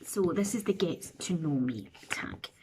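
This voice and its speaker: A woman's voice: sits low, very animated, unhurried, a little mellow, slight background noise, rough recording. A woman in her thirties with a Scottish accent, chatting casually and rambling to camera from her bedroom. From Scotland. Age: 30s. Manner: chatty, rambling, self-deprecating. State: runny nose. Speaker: beauty vlogger. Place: bedroom at home, indoors.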